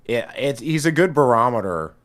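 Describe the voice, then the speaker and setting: A man in casual podcast chat, talking in an animated, rambling way with many restarts. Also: mid-range voice, normal speed. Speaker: podcast guest.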